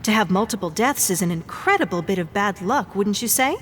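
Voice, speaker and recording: A woman playing a brisk news reporter in an audio drama, speaking in a formal interview delivery. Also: lively intonation, lightly acted. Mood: probing, formal. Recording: hall reverb, crowd noise, rumble.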